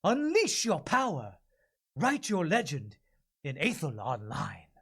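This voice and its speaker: A man voicing a heroic, excited announcer for an epic fantasy game trailer, pompous and theatrical. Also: on the high side, slow, vocal fry, husky, exaggerated voice. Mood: heroic, grand. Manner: pompous, sweeping, theatrical delivery. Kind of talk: dramatic video game trailer narration.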